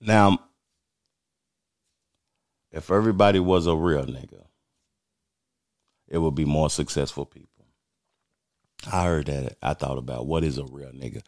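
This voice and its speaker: Deep-voiced man in his forties, blunt. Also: a little slow, long pauses, darkish tone, no room sound, clean studio sound. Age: 40s. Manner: blunt, emphatic, streetwise talk. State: losing his voice. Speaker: podcast host. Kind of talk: casual commentary.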